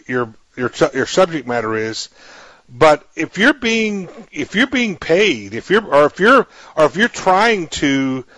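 Halting man hosting a radio chat. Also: medium pitch, fairly bright tone, dry recording. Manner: halting, restarts often, emphatic asides. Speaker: radio show host. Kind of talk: interview talk.

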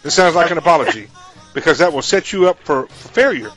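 A man hosting a radio interview, talking in a halting way with many restarts and emphatic asides to his listeners. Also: fairly high pitch, lively intonation, a bit bright, soft background music, rough recording. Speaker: radio show host. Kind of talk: interview talk.

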